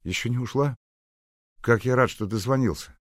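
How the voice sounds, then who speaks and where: A man's voice: mid-range voice, moderate pace, no room sound, studio quality, voice pushed up, close to an everyday voice. A man voicing an eager, caring young man on a long-distance call. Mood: glad.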